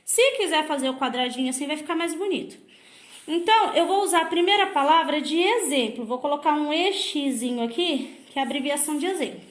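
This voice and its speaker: A woman with a Brazilian Portuguese accent, a primary school teacher giving a recorded lesson to children and sounding out words slowly, syllable by syllable. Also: sits high, lively intonation. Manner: slow, exaggerated syllable-by-syllable explanations. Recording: echoey room.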